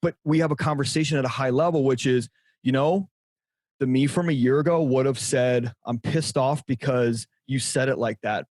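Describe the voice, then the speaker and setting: A middle-aged man appears as a podcast guest in a conversational interview, speaking about relationships directly and emphatically and repeating things for stress. His voice is medium-pitched and darkish, in a dry recording.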